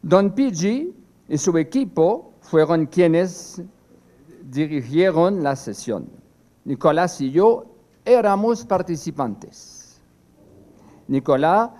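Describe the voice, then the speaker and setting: With a slightly high, mellow, sing-song voice, an older male priest whose native tongue is French reads a seminar talk from prepared notes. The delivery is slow and halting, full of pauses and restarts.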